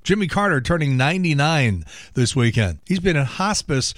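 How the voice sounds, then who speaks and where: A middle-aged radio and podcast host who sounds hoarse, talking in a wry, sarcastic, rambling comic monologue. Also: male voice, on the high side, very animated, moderate pace, a bit bright, dry recording, clean studio sound. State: hoarse from laryngitis.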